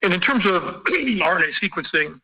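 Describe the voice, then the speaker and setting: A man answering as a company executive on an earnings call, speaking off the cuff in a halting way with repeated words and throat-clearing. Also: high voice, animated, sharp tone. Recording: dull, band-limited conference call audio.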